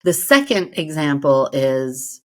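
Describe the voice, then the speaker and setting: A woman's voice: sits low, big pitch swings, slow, fairly bright tone. A woman podcast host whose first language is French, asking curious follow-up questions in a casual chat.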